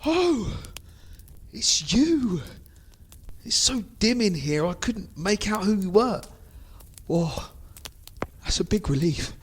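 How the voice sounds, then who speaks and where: A man playing a frightened, freezing fugitive wanderer in an audio drama, halting and melodramatic. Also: high voice, very animated, full character voice. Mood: relieved, weary. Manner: halting, breathy, melodramatic exclamations. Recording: noisy background ambience.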